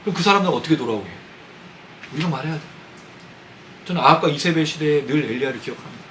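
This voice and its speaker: Lively Korean pastor preaching. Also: male voice, fairly high pitch, very fast, a little hiss or hum, poor audio. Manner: conversational preaching, asks the congregation questions. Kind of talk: sermon. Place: church sanctuary.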